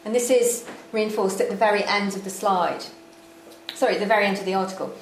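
A woman giving a lecture on slides, measured and dry-witted, with frequent ums. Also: medium pitch, fairly even intonation. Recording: echoey room with faint background noise.

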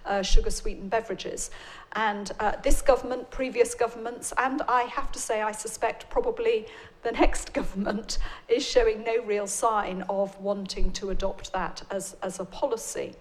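A woman, an invited expert answering an audience question at a public lecture in a measured, explanatory way with emphatic rises. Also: mid-range voice.

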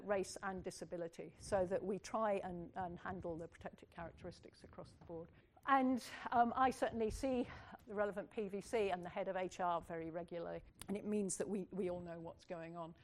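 An older woman giving a candid, earnest public lecture, speaking plainly with frequent asides. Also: mid-range voice. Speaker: university lecturer.

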